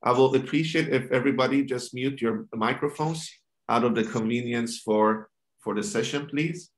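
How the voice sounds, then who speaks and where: A man in his thirties from Sweden, moderating an online panel in a formal, courteous, halting way over a video call. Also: medium pitch. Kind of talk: introducing an online panel discussion. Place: home kitchen indoors. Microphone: computer mic on a video call. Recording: roomy, echoing video-call sound.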